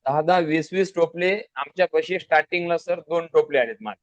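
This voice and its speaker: In dull, lo-fi audio without any room sound, a man from Maharashtra, India, talks a little fast in a slightly high voice. As a guest in a casual interview, he plainly and earnestly explains how he built his business, restarting frequently.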